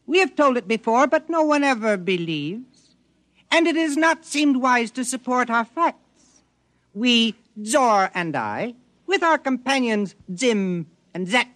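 An actor playing a calm alien explorer who glows and eats rock, speaking formally and precisely without contractions, in a radio drama. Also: male voice, very high voice, no echo, full character voice. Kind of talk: 1950s radio drama acting.

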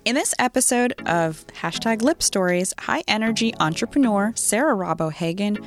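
A woman's voice: mid-range voice, lively intonation, normal speed, soft background music. A woman host reading a scripted podcast introduction in a bubbly, promotional way.

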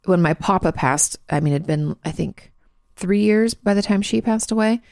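A woman's voice: mid-range voice, normal speed, vocal fry, a little mellow, no room sound, clean studio sound. A congested woman hosting a podcast, frankly answering listener questions in casual advice talk, full of fillers and restarts. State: congested, clearing her throat.

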